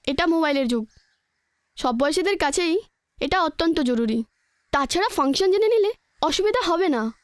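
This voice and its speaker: High-voiced young daughter. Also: female voice, lively intonation, moderate pace, pauses often, no room sound. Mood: cheerful, persuasive. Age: young adult. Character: eager, affectionate student daughter pleading with father. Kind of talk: film family drama dialogue.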